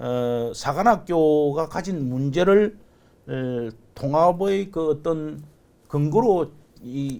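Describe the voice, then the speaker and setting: A man at a fairly high pitch, very slow in pace, with lively intonation. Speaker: military strategy think tank head. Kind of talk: interview. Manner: heated, raised voice.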